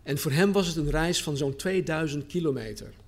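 Male preacher, slightly high voice, earnest sermon delivery with deliberate repetitions. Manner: earnest, repeats phrases for emphasis, slows on key words. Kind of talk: sermon with scripture reading.

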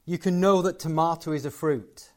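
Speaking at normal speed in a slightly high voice, a guest preacher gives a live gathering his closing sermon and prayer, moving from conversational talk to emphatic points.

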